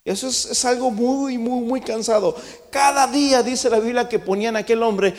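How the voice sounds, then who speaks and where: A man preaching a sermon to his congregation in a church, impassioned, swinging between loud calls and hushed asides. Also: very high voice, normal speed. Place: church sanctuary. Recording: long church reverb.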